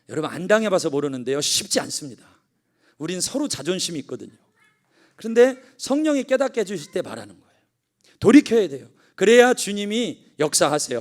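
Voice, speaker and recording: A middle-aged male pastor with a notably high voice delivers a Korean-language sermon. He tells a family story and shifts between quiet confiding moments and fervent exhortation. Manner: storytelling, swings from hushed to fervent.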